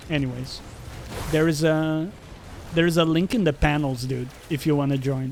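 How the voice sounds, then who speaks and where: In a Brazilian accent, a man talks at a fairly high pitch. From Brazil, Porto Alegre (then Ibiza, Spain from 12). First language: Brazilian Portuguese. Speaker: gaming streamer. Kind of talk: live gameplay stream chat. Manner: casual, reactive.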